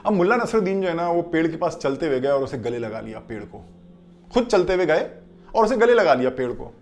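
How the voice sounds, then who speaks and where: A man teaching through a story in an unhurried religious talk, often pausing to check in with his listeners. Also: a little high, sing-song, darkish tone.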